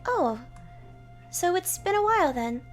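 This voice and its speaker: A woman voicing an unbothered, newly awakened ancient fox spirit woman in a visual novel game, in a calm, musing way. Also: very high-pitched, unhurried, soft background music, voice pushed up, full character voice. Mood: unimpressed.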